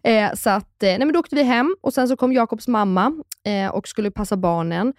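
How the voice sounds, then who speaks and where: Woman, 30s, podcast co-host, casual chat, animated storyteller, mid pitch, dry close mic. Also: no echo. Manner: animated storyteller who acts out quoted voices.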